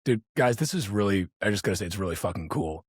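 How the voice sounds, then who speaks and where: A man hosting a podcast, chatting casually, losing his voice and sounding hoarse and gravelly, excitable and swearing casually. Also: on the low side, fast talker, no echo, studio quality. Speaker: podcast host.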